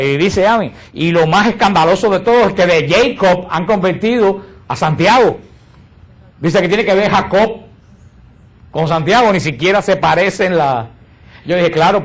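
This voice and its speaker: A man teaching catechism to a group, asking questions and answering them himself, slowing and lowering his voice on key words.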